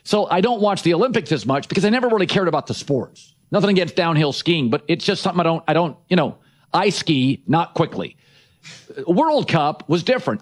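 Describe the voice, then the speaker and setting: A middle-aged man hosting a sports talk show, giving brash, emphatic opinions in short punchy sentences. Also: on the high side.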